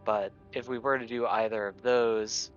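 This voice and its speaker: A man with a fairly low voice chats casually as a tabletop game player, working through plans. The sound is dull and lo-fi, with faint music underneath. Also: fairly even intonation, normal speed. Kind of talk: casual planning chat.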